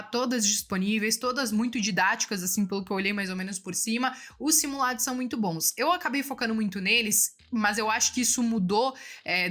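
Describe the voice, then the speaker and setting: Bright-voiced chatty woman explaining finance. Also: mid-range voice. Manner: chatty, with tag questions like "né" and "tá". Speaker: finance YouTuber answering viewer questions. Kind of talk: casual explanatory talk.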